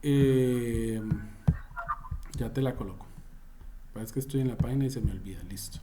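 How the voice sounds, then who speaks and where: A man's voice: medium pitch, moderate pace, noisy background. A man teaching an online class over a video call, repeating and restating his points and calling on students by name.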